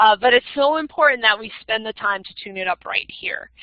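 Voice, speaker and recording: A woman talks at a fairly quick pace. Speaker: education program director, conference presenter. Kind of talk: conference presentation. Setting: conference session with live captioning. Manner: hesitant, many fillers.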